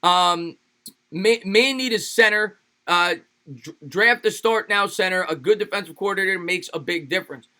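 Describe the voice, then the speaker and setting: A man hosting a casual sports livestream, reading fan donations aloud in an energetic, hyped-up way, his voice a little raspy and tired. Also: high-pitched, normal speed. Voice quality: slightly raspy. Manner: energetic, hypes up fans. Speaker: sports YouTube host reading super chats.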